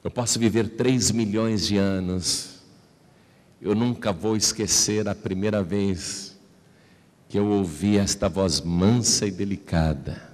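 A man preaching a personal testimony, shifting from slow, hushed, low delivery to high, emotional outbursts. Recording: long hall reverb.

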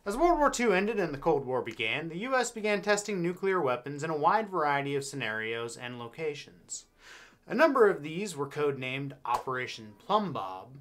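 American man, thirties, video host, scripted comedic history narration, dry sarcasm, expressive pitch swings, faint music behind. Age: 30s. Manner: wry, deadpan sarcasm. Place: indoor studio with backdrop.

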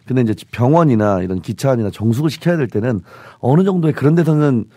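A man's voice: mid-range voice, animated, fast talker, warm tone, no echo. A man co-hosting a casual talk show, joking and bantering playfully. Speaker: podcast co-host. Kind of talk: casual chat.

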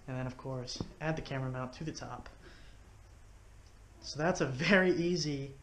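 A man's voice: on the high side, a bit bright. A man from Texas explaining step by step while building something with his hands, talking casually in his living room into a head-mounted action camera. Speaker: fishing video host. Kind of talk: casual how-to demonstration. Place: living room at home, indoors.

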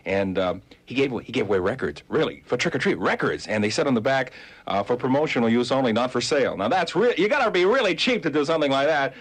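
A man's voice: mid-range voice, expressive, fast talker, a little hiss or hum, lightly acted. A man working as a radio DJ, wisecracking through old-time top-40 patter. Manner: joking, wisecracking.

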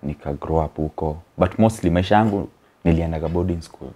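A young Kenyan comedian with a Kenyan accent tells his story as a guest in a casual interview on an indoor studio set, rambling, chuckling, and mixing in slang. His voice is deep, a little fast, and dark in tone.

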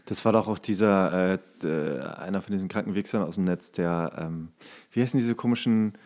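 A man's voice: deep voice, steady tone, a little fast, a little mellow. A man co-hosting a podcast, chatting casually with slangy, crude humour. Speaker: podcast co-host. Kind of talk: casual comedic chat.

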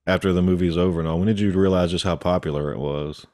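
A man's voice: deep voice, fairly even intonation, fast talker, darkish tone. A young man hosting a casual interview, asking friendly questions with plenty of fillers. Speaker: podcast host.

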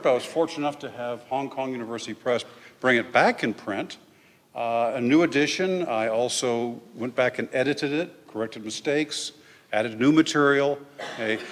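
An older man speaks at a lectern microphone in a large hall with a long reverb trailing his words. His voice sits at an ordinary middle pitch, and he lectures in a loose, conversational way, stopping often for "uh" and "okay". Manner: chatty, with frequent "uh" and "okay". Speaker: history professor giving a lecture. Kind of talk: informal public lecture.

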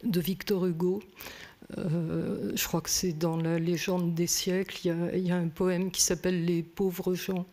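A woman's voice: lowish voice, little pitch movement, a little slow, mellow. A woman in her sixties, a guest author on a small theater stage, speaking into a stand mic and searching for her words with many restarts. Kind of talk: thoughtful conversation on stage. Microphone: stand mic close to the mouth.

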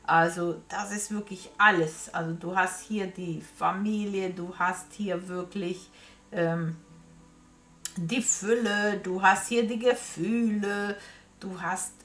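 A woman's voice: mid-range voice, fairly even intonation, slow, a bit bright. A woman giving a casual tarot reading to viewers, hesitant in phrasing and often repeating herself, recorded in a small room. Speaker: tarot reader. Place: small room crowded with statues and cards. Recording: roomy echo from camera distance.

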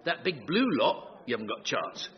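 A man acts out a cheerful, crooked campaign manager in a radio sitcom. He talks in brash slang with a very lively, swinging melody. The recording is a little dull. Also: mid-range voice, fairly quick, natural voice. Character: shady, cheerful male wheeler-dealer campaign manager. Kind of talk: British radio sitcom acting. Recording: slightly dull, muffled recording.

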